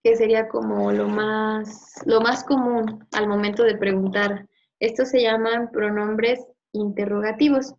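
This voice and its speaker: A woman teacher giving a one-on-one review lesson, patiently quizzing and repeating words slowly. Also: medium pitch, level tone, darkish tone, slight background noise. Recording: slightly muffled lo-fi audio.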